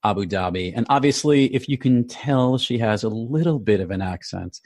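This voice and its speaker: A man's voice: mid-range voice, lively intonation, normal speed, a little mellow. A man hosting a podcast interview, asking questions in a casual way and restarting his phrases often. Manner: casual, restarts and repeats words. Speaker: podcast host.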